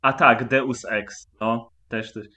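A man's voice: mid-range voice, steady tone, takes it slowly, pushed and bright. A man hosting a casual, conversational interview over a video call. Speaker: interviewer, host.

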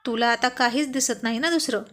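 A harsh, sarcastic father from a storybook, voiced by a woman narrator. He scolds sharply, though the voice stays fairly high. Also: a little fast, fairly bright tone, lightly acted. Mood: scolding.

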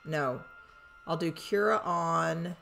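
An older woman streaming a video game, thinking aloud as she plays and bursting into excited squeals. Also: deep voice, slow, gravelly, faint music behind. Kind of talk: live gameplay commentary.

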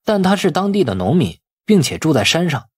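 Young nephew role, male narrator: eager, flustered, deferential, husky, very animated pitch, audiobook drama. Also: brisk. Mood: puzzled, worried. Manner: expressive, colloquial, exclaiming.

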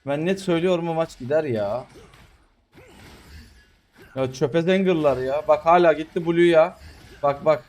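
A man narrates his mobile game match in a slightly high voice. He complains at his teammates in an exasperated way and breaks into excited shouts. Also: measured pace, long pauses. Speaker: gamer streamer. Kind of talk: live gameplay commentary.

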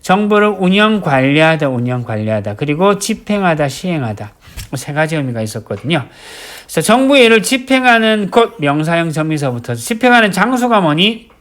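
Male vocab instructor, lively up-and-down delivery, drills each word over and over. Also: fairly high pitch. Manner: drills words by slow repetition, writes as he explains. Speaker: English vocabulary teacher. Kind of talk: recorded vocabulary lecture.

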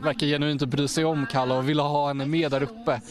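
A man reporting on sport, chatting in a relaxed, hesitant way with many fillers while outdoors at a snowy ski stadium. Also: on the high side, a crowd in the background. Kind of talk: casual sports chat. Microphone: handheld mic.

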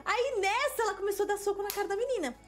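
A young woman with a Brazilian Portuguese accent, telling a story in casual chat as a gaming video host, animated and quick to act out what people said. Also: very high voice, soft background music. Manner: animated, laughing storyteller who acts out quotes. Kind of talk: casual storytelling while playing a game.

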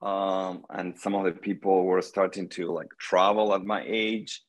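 Guy, middle-aged, low voice, chatting slow over a laptop cam at home. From Argentina. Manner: relaxed storytelling, many pauses and "um", gestures with hands. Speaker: guest, senior pro pickleball player. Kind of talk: casual video call interview. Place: small room indoors at home. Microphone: laptop webcam on video call.

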